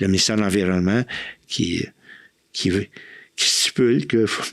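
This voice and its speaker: A man's fairly low-pitched voice at a moderate pace, with ordinary pitch variation on a very clean recording with a silent background. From Quebec, Saint-Anicet (southwestern Quebec). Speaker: retired doctor and environmental conservationist. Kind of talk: interview. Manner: halting, many repetitions and fillers.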